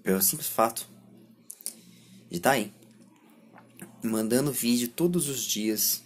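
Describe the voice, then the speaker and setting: A man in his twenties with a Brazilian accent and a husky voice, speaking a reflective monologue to camera as a vlogger, halting between short phrases. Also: mid-range voice, lively intonation, a little hiss or hum. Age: 20s. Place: small indoor room lined with bookshelves. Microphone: phone or camera at arm's length.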